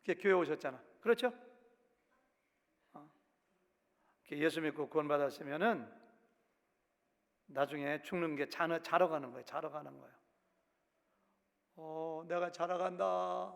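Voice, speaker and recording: A fairly high-pitched man speaks at a normal pace, pausing often. He's a pastor from Korea's Chungcheong province delivering a sermon in a Chungcheong Korean accent, acting out quotes in shifting voices. The church sanctuary gives the recording a long hall reverb.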